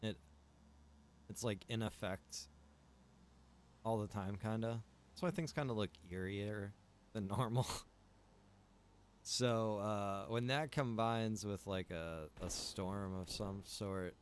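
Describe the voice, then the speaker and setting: A man's voice: lowish voice, slow pace, pauses often. A man chatting casually on a live game stream, rambling as he thinks aloud. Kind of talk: casual live-stream chat while gaming. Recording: clear background noise.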